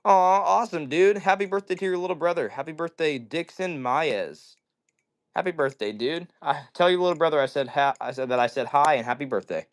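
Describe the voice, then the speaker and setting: Clear-voiced man hosting a casual livestream. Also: a little high, brisk. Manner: upbeat slangy greetings, says "dude" and "yo" often. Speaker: live stream host. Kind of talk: casual chat reading viewer messages.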